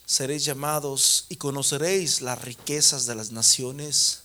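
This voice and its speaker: A male preacher, giving a fervent sermon that rises to loud emphatic peaks. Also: mid-range voice, steady tone, unhurried.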